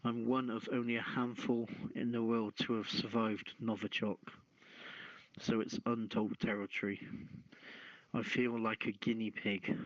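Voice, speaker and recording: A man hosting a talk show, reading news and chatting with a halting, stumbling delivery. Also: lowish voice, no room sound. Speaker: host of an online talk show. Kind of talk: reading news aloud and casual chat. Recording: dull, lo-fi audio.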